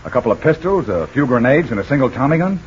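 A man playing a tough, brisk American jungle adventurer in old-time radio drama style. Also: medium pitch, sing-song, close to an everyday voice. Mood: determined. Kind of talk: 1940s radio acting. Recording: dull old radio recording, faint hiss.

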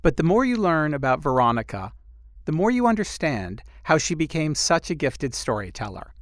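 A man's voice: a little high, sing-song, normal speed, no echo, studio quality. A man hosting a podcast, telling a personal story in scripted narration. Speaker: podcast host.

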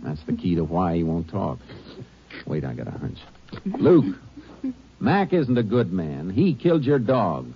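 A man playing a steady, shrewd Texas Ranger in an old radio drama, with an American accent. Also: deep voice, unhurried, long pauses, slight background noise, exaggerated voice. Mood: firm, persuasive. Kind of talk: 1950s radio drama acting. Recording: dull, muffled old radio broadcast.

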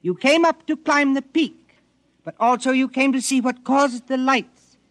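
An actor playing a calm alien explorer who glows and eats rock, speaking formally and precisely without contractions, in a radio drama. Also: male voice, extremely high pitch, measured pace, no room sound. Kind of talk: 1950s radio drama acting.

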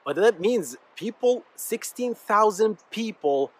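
A man who hosts a podcast and YouTube channel rambles earnestly through a casual motivational monologue in English, his first language being Arabic. He speaks slowly in a high, expressive voice with a breathy edge, frequently saying "guys" to his audience.

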